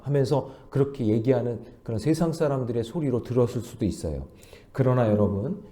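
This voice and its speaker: A man's voice: mid-range voice, mellow. A man preaching at a dawn prayer service, emphatic and repeating his key phrases as he leads the congregation in reading aloud. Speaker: pastor.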